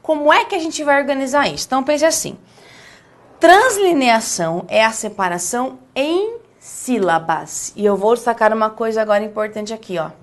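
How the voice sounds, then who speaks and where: A woman with a Brazilian Portuguese accent teaching a lesson on essay writing, stressing key words by drawing them out slowly and checking in with the listener often. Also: on the high side, animated.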